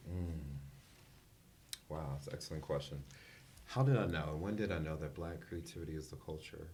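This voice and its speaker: A man from South Central Los Angeles, a podcast guest, telling his story in a relaxed, animated way. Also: extremely low pitch, normal speed, slight background noise. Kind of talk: casual storytelling.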